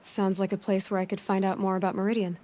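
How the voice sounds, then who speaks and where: A woman's voice: mid-range voice, flat delivery, quick pace, warm tone, close to an everyday voice. A woman playing a determined, guarded young tribal huntress in a video game cutscene. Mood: confident, curious.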